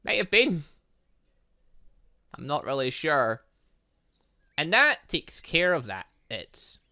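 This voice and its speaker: Bright, animated gamer commentating excitedly. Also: medium pitch, slow pace. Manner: rambling, self-interrupting, mild exasperation. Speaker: gaming video host. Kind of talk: excitable let's play commentary with read-aloud dialogue.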